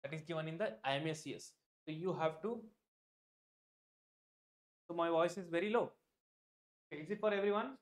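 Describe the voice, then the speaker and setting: A man's voice: fairly high pitch, fairly quick, long pauses. A young man with an Indian English accent, teaching an exam-prep lesson live to online viewers in a chatty, repetitive way. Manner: chatty, repeats himself, many "like" fillers, addresses viewers by name. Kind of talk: live-stream lecture.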